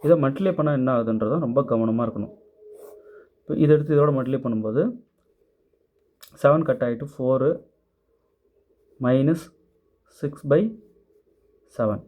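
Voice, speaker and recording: A man's voice: medium pitch, measured pace, pauses often, narrow, tinny audio. A man teaching maths, going through a worked problem step by step and answering students' doubts, mixing English terms into his speech. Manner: methodical, step-by-step, mixes English terms into Tamil. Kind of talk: explaining worked problems in class.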